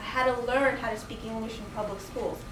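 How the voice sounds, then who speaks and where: A woman with a New York accent speaks with high pitch and ordinary pitch variation, with audible room echo and noticeable background noise. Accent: New York City English. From Astoria, Queens, New York. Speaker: state legislator. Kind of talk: speech to students.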